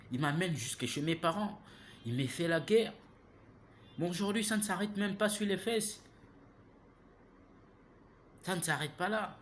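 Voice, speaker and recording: A man, giving an impassioned, preachy monologue that keeps turning to the listener with "hein?" and grows loud and heated. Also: fairly high pitch, a little hiss or hum. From Gabon. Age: 30s. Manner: preachy, repeats himself, asks listeners "hein?". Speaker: vlogger.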